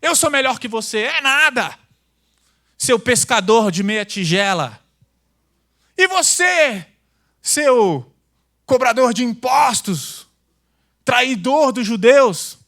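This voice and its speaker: A man's voice: very high voice, quick pace, hardly any pauses, voice pushed up. A man voicing quarrelling male disciples who trade mocking insults in a sermon retelling. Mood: squabbling. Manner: loud, mocking, bickering.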